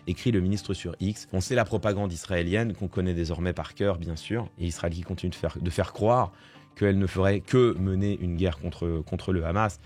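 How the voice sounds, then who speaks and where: Reading news reports aloud in a deep voice with a darkish tone, a male political commentator reacts live with indignant remarks. His commentary is thick with fillers.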